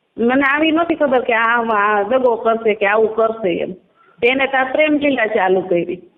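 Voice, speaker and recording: Loudness stays very even as a woman speaks in a fairly high pitch with ordinary pitch variation. It is an unremarkable speaking voice. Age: 40s. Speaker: caller. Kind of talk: phone complaint call. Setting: phone call.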